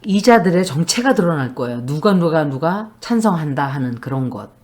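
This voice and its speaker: A woman's voice: deep voice, big pitch swings, moderate pace, darkish tone. A woman giving a tarot reading in a monologue, making blunt, emphatic predictions. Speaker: tarot reader.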